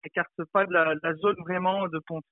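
A male expert guest explaining things off the cuff in an interview, hesitant, with frequent filled pauses. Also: sits high, flat delivery, no room sound. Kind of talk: spontaneous explanatory interview talk. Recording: tinny, narrow phone-like line, dry.

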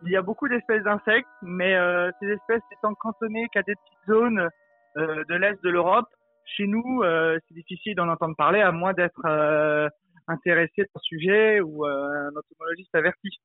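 Male expert interviewee, high register, hesitant spontaneous explainer, dry and narrow telephone-style sound. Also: moderate pace, no room sound, faint music behind. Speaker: entomologist, interview guest. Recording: tinny, narrow phone-like line, dry.

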